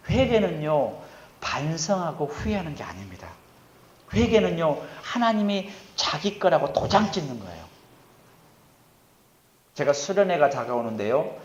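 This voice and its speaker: Man preaching in a roomy, dull recording. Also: sits high. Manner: asks the congregation questions and answers them himself; swings between loud emphasis and quiet asides. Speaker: pastor. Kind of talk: sermon.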